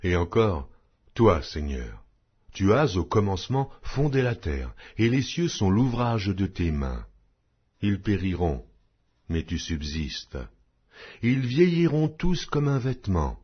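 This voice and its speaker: A man with a lowish, rough-edged voice narrates scripture from a script. His delivery is solemn and declamatory, with intonation that rises and falls widely. The recording is somewhat muffled and lo-fi. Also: sing-song, takes it slowly. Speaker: audiobook narrator reading scripture. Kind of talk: scripted Bible reading. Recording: dull lo-fi audio.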